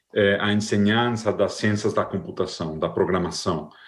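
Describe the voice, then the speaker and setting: With a Spanish accent, a man speaks at a moderate pace and fairly low pitch, his intonation lively. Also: very even loudness. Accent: non-native Portuguese, Spanish-tinged. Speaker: nonprofit partnerships executive. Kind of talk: online talk presentation. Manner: halting, many fillers.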